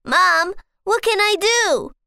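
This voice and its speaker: A woman's voice: very high voice, animated, slow pace, gravelly, pushed and bright, no echo, clean studio sound, pitched above the performer's own voice, full character voice. A woman voicing a short-tempered little boy prince in a storybook reading, whiny and pouty. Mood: pleading.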